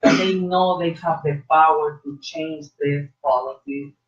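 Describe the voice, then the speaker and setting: A trans woman guest on a call-in radio discussion, speaking passionately in halting bursts with many repeated words. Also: deep voice, steady tone. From South Florida. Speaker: guest, agency leader. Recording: echoey, distant, dull sound.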